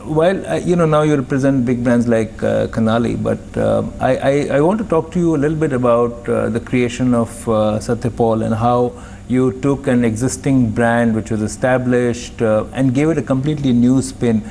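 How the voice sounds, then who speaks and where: A man with a mid-range voice hosts a TV business interview. He frames his questions slowly, dotting them with fillers. A faint hum runs underneath. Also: medium pitch, vocal fry, dark tone. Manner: prompting questions with many fillers. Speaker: host.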